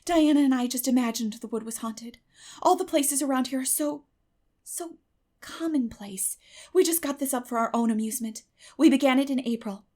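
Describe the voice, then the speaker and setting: A woman's voice: sits high, moderate pace, darkish tone, voice pushed up. A woman voicing a terrified, imaginative little girl in a dramatic audiobook, breathless and melodramatic, with gasps and whispers. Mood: sheepish, dreamy. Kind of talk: dramatic audiobook character acting.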